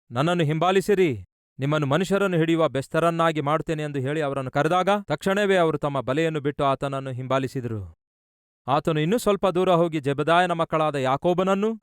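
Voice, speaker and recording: Pastor with a smooth, higher voice. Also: male voice, no echo, studio quality. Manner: asks the listeners questions and answers them himself; builds long lists of repeated phrases. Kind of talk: sermon.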